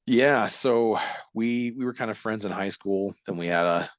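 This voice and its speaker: In a casual interview, a middle-aged guest with a mixed American, English and Irish accent tells his story, rambling and correcting himself with wry humor. His voice is on the low side at a moderate pace, and the sound is dull and dry with no echo.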